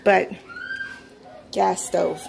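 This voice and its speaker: A woman's voice: lowish voice, level tone, very slow, gravelly. A young woman walking through her house and chatting casually about each room, laughing often and ranting now and then, filmed on a handheld phone. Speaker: vlogger. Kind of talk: casual house tour vlog. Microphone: phone camera held while walking. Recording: noisy home recording.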